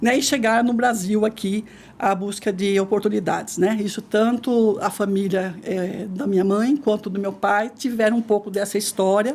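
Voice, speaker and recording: A woman's voice of medium pitch, an ordinary speaking voice, moderately paced, its intonation fairly even. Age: 60s. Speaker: business executive. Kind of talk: interview.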